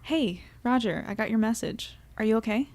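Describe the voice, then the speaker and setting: A woman's voice: fairly high pitch, normal speed, background noise, natural voice. A woman playing a chatty, upbeat young woman telling about her night in an audio drama. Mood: concerned. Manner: chatty, conversational. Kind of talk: first-person audio drama narration and dialogue.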